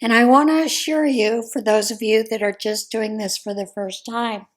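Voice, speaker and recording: Hoarse, chatty American woman vlogger. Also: a little high, fairly even intonation, normal speed. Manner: chatty, rambling, with frequent ums. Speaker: crochet vlogger. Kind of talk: casual chat.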